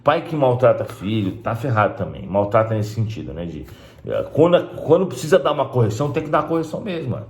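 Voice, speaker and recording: Man, lively swinging pitch, blunt and emphatic, roomy echo. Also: fast talker. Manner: blunt and emphatic, with frequent "né?" asides. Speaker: spiritist video host. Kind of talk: casual talk to camera.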